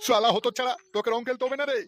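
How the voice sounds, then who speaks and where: A man voicing a cranky, sharp-tongued old grandfather who scolds sarcastically in a comedy cartoon. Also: extremely high pitch, fairly even intonation, very fast. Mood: angry scolding. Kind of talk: comic cartoon dialogue.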